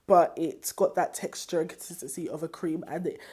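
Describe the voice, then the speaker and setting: Young woman, beauty vlogger, somewhat low voice, slightly nasal from a cold, chatty, enthusiastic. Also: fairly quick, a little mellow, slightly rough. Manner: chatty, enthusiastic, laughs often. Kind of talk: casual product review chat.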